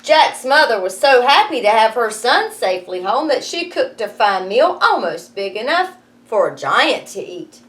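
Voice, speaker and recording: A woman's voice: a little high, sing-song, normal speed, fairly bright tone. A woman, a teacher reading a story aloud expressively and adding wry explanatory asides. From United States. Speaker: schoolteacher reading aloud to students.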